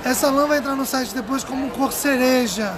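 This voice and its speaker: A woman's voice: high-pitched, fairly quick. A Brazilian woman hosting a casual live stream in a chatty, teasing way. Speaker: livestream host relaying viewer comments at a craft fair. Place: busy indoor craft fair hall. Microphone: handheld phone, behind the camera. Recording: loud trade fair crowd and noise.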